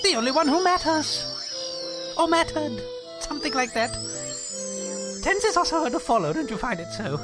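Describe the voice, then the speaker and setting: A woman's voice: high voice, expressive, moderate pace, long pauses, over music. A woman playing a whimsical, fussy wonderland guide in an audio drama, theatrical and teasing. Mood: flighty, fussing.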